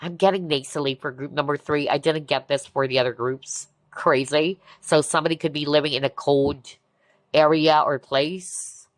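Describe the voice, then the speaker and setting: A woman giving a collective tarot reading in a soft, reassuring way, often breaking into amazed exclamations. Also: low voice, steady tone, normal speed, dry recording. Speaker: tarot reader. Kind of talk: pick-a-card tarot reading.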